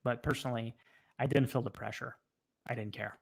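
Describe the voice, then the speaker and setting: Answering viewers on his livestream, a native French-speaking man with a French accent talks casually but haltingly, frequently stopping mid-sentence. He has a medium-pitched, steady voice marked by vocal fry.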